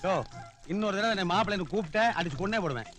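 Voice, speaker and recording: Brief: grumpy son-in-law, rapid sarcastic scolding, film comedy. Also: male voice, high voice, lively intonation. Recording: film soundtrack with music.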